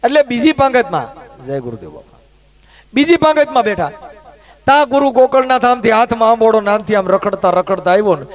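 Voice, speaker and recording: A middle-aged storyteller with a fairly high pitch. He talks in a chatty, earthy way and acts out the characters as he goes. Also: fast talker. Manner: rustic, chatty, acts out quoted voices. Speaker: folk humorist. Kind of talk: folk storytelling with comic asides.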